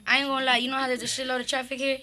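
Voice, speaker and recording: A woman with a very bright, forward voice pitched on the high side. She chats casually as a music artist guest, hyped up and loose, dropping slang and swearing freely. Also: monotone, rapid-fire. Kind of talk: casual group chat.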